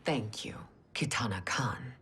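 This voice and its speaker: A woman's voice: very deep voice, unhurried, a bit bright, whispered. An actress playing a cold, scheming queen who speaks with regal, scornful haughtiness. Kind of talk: video game cutscene. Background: cinematic music.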